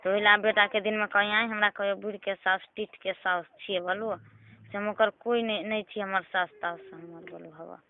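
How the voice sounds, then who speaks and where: A woman's voice: medium pitch, steady tone, moderate pace. A woman with a Maithili accent chatting casually on a phone call, recounting things by quoting what people said. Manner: recounts household quarrels by quoting dialogue. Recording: tinny narrowband phone line, some noise.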